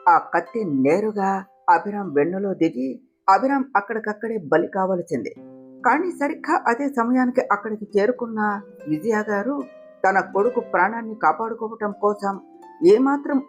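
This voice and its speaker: A woman narrates a dramatic story at a steady pace, in a voice of middle pitch. The recording is slightly muffled, and soft guitar music plays beneath her voice.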